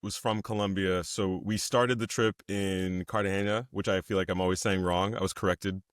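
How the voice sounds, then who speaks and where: Man from St. Louis, podcast co-host, teasing, low pitch, dry mic. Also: steady tone, normal speed, smooth, no room sound. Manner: teasing, joking. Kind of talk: casual podcast banter.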